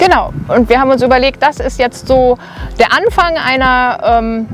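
Over faint background music, a woman speaks in a high pitch with ordinary pitch variation, the sound dry with no echo. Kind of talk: informational presentation. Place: open country. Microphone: lapel.

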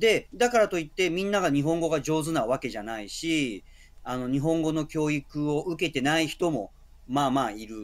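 Here a man has a plain, everyday voice with a fairly high pitch, speaking at a moderate pace. The recording is very clean, with a silent background. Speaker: Japanese language teacher. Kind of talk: demo language lesson.

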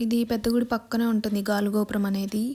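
The woman's fairly high voice has a dark, mellow tone and flat, monotone intonation. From Andhra Pradesh, Srikalahasti area. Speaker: vlogger. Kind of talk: casual vlog narration. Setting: outdoors at street festival.

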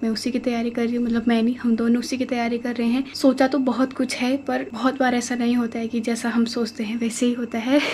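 This soft-spoken woman talks at a fairly quick pace, barely pausing. Her high pitch stays flat and monotone over light background noise. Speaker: vlogger. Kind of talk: casual vlog talk. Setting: at home at night. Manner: quiet, speaking softly. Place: home room. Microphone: voice may sound too quiet; phone near.

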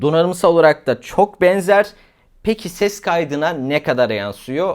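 On a very clean recording with a silent background, a man talks at a moderate pace with a fairly high pitch. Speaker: tech reviewer. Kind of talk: product review. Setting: indoor room, recording through reviewed mics.

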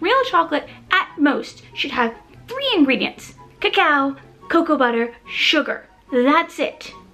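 Faint music plays in the background. The pitch variation is ordinary. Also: woman. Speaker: food vlogger. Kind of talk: casual vlog chat. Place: home room.

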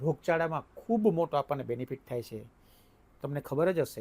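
A man speaks in a normal speaking voice, fairly high in pitch, with lively intonation. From Saurashtra, Gujarat (village near Rajkot). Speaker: water conservation trust leader. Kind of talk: interview. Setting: studio.

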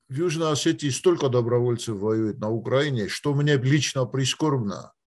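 Against a quiet background, the man's voice sits at a medium pitch and moves with ordinary pitch variation. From South Ossetia. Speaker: co-host. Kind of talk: discussion. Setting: video call. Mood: regretful, earnest. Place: home room. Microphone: video call.

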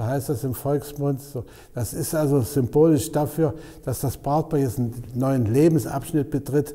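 Against a quiet background, a fairly high-pitched man speaks at a moderate pace. His voice is somewhat breathy and dark and mellow in tone, with fairly even intonation. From Upper Lusatia, Germany. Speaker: local tradition and dialect keeper. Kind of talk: interview answer. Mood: warm, good-humoured. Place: hall.

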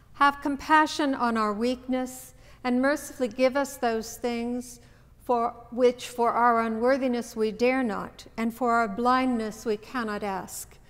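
A woman speaks with a high pitch at a fairly slow pace. Her intonation stays monotone and flat. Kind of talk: liturgical reading. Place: church.

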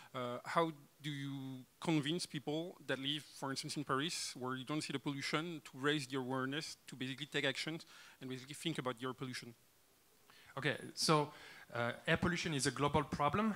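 Here a man speaks with a French accent and a bright, sharp tone. His pace is fairly quick and his intonation fairly even. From France. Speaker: startup founder. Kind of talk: startup pitch. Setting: stage with audience. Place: stage. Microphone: handheld.

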